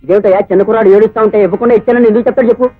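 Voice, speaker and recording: A man's voice: high-pitched, fairly even intonation, rapid-fire. A man playing a kind onlooker in a film drama who pleads and argues on a boy's behalf, on a tinny old soundtrack. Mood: pleading. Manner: pleading, persuading. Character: kind male onlooker backing a child.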